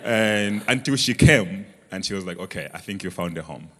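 Malawian-accented young man, low voice. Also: lively intonation, normal speed, a bit bright. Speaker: church member guest. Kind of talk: onstage interview. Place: large church auditorium, on stage. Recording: reverberant church hall.

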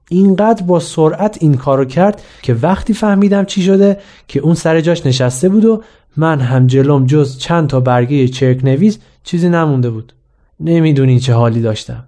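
A man's voice: a little high, warm tone. A man narrating a humorous school memoir in a wry, self-mocking way. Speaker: storyteller.

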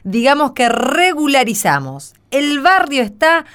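A woman's voice: high voice, very animated, a little slow, fairly bright tone, full character voice. An actress playing a frank, spirited neighborhood woman in a radio play, emphatic and wry. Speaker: actor in radio drama. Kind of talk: Spanish-language radio theatre acting.

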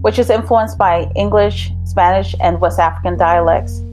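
A woman's voice: on the low side, steady tone, moderate pace, darkish tone, faint music behind, rough recording. Woman narrating a documentary. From Jamaica. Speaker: host and narrator.

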